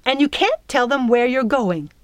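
A woman's voice: on the high side, big pitch swings, normal speed, dry recording, voice pushed up. A woman voicing an irritable, imperious old female fairy in a storybook, brusque and snappish.

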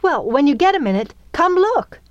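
A woman's voice: on the high side, sing-song, unhurried, dry recording, dull audio, pitched above the performer's own voice. A woman voicing an eager young girl who speaks in a gushing, over-enthusiastic manner in a story. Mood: excited.

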